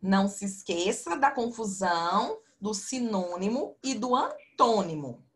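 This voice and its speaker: A woman teaching young children in an online class over a video call, speaking slowly in a sing-song, patient teacher voice. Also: medium pitch, animated. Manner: slow, sing-song teacher talk to children, calls herself auntie. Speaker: primary school teacher. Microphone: computer mic on video call.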